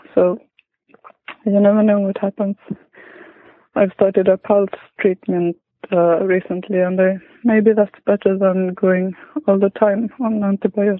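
In a Swedish accent, a woman speaks at a fairly slow pace with long, frequent pauses. Her intonation stays monotone and flat. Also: medium pitch for a woman. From Sweden. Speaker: patient and Lyme awareness founder. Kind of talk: interview, casual conversation. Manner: searching for words.

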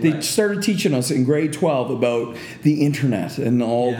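Noticeable background noise and audible room echo surround a man with a Canadian accent, who speaks at a moderate pace with ordinary pitch variation. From New Brunswick, Canada. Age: 40s. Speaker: pro wrestler and wrestling trainer. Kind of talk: casual interview chat. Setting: at a live wrestling event.

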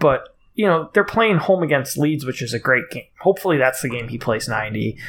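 With a bright, sharp tone, a man speaks at a fairly high pitch that swings very widely. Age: 30s. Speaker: fantasy football podcast co-host. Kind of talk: casual chat.

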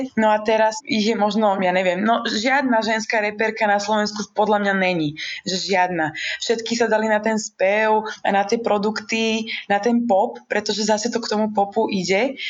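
Speaking in an unremarkable speaking voice, a woman with a fairly high pitch keeps a moderate pace, very even loudness and fairly even intonation. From Slovakia, Trnava. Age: 20s. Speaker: rapper and singer. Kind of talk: interview.

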